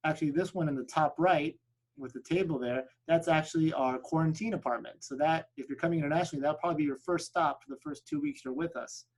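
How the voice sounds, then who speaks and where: Upbeat man with a Spanish mother tongue pitching a flight school. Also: fast, poor audio. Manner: upbeat sales pitch, frequent tag "right?". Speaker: flight school representative presenting a webinar. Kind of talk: presenting slides on a video call webinar. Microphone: video call.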